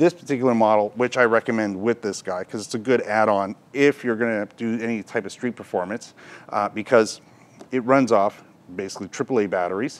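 Fairly even in intonation, a man talks at a fairly quick pace. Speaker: product reviewer. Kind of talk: product review tutorial. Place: shop.

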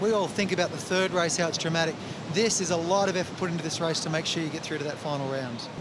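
A high-pitched man with an Australian accent at a very fast pace, against noticeable background noise. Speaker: sports commentator. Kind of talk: live sports commentary. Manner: quick, excitable race-calling.

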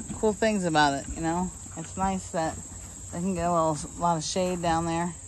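At a moderate pace, the voice comes through dry with no echo over light background noise. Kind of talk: casual tour narration. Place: farm machine. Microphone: phone near.

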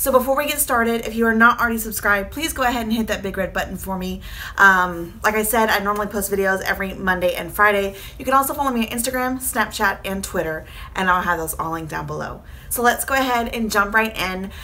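The speech rushes at a very fast pace, its pitch varying in an ordinary way. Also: woman. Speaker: beauty vlogger. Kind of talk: casual review vlog chat.

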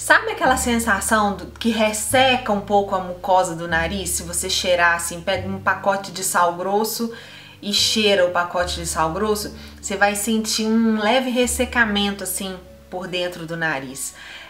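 Over light background noise, a woman talks at a moderate pace with ordinary pitch variation and big swings in loudness. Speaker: beauty reviewer. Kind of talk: casual product review. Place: home room. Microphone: phone near.

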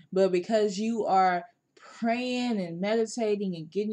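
Speaking with a Southern US accent, a woman has a dark, mellow tone and fairly even intonation. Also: quiet background. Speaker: tarot reader. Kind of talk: tarot reading to camera. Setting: online video, self-recorded. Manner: casual, chatty. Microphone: phone near.

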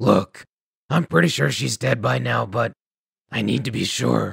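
Using a put-on, raspy character voice, a man talks at a moderate pace. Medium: solo performance. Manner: bitter, sardonic, weary.

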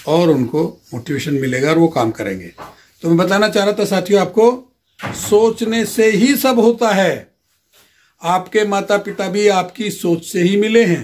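A high-pitched man with ordinary pitch variation and long, frequent pauses. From India, Uttar Pradesh (Meerut, Ghaziabad). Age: 70s. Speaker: YouTuber promoting a network marketing scheme. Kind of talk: motivational sales pitch.

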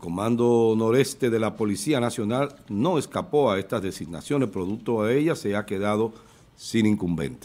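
Speaking with a Dominican accent, a man uses lively intonation in a dark, mellow tone. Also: medium pitch for a man, moderate pace. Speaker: TV news show moderator. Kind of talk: panel discussion on news. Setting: studio.

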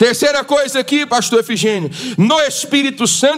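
A man shouts in a theatrical, animated tone. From Brazil. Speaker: Pentecostal preacher and teacher. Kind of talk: sermon preached to a congregation with call-and-response. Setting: church or stage with live congregation. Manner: animated, exhorting, repeatedly prompting the crowd to echo and shout; emphatic, theatrical, shifting between teaching and mimicry. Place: church.

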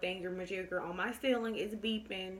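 Against light background noise, a woman speaks at a medium pitch in a bright, sharp tone with fairly even intonation. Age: 30s. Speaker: tarot reader. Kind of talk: tarot reading to camera. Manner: casual, chatty. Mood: warm, reassuring. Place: home room. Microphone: phone near.

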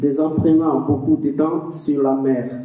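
Audible room echo surrounds a man whose fairly high voice moves at a very slow pace. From West Africa. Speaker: refugee reading testimony. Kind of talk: reading aloud. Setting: stage with audience. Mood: calm, earnest. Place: hall.

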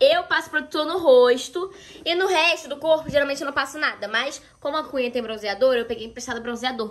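Her pitch is high, with ordinary variation. The woman speaks at a very fast pace. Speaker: vlogger. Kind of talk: casual vlog chat. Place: home room. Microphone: phone near.

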